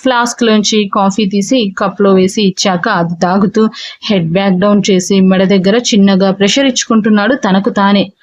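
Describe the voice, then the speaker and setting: A woman narrating a first-person story in an expressive, lively reading. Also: mid-range voice, moderate pace, highs cut off.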